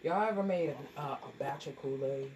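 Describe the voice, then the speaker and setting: A woman co-hosting a podcast in casual chat, trading quick jokes and banter. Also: low voice, darkish tone, slight background noise, low-quality recording.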